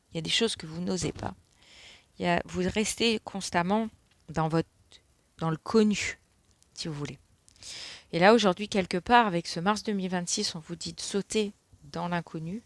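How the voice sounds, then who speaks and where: A woman's voice: lowish voice, no room sound. A middle-aged woman giving a casual spoken card reading, rambling with many fillers. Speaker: tarot card reader.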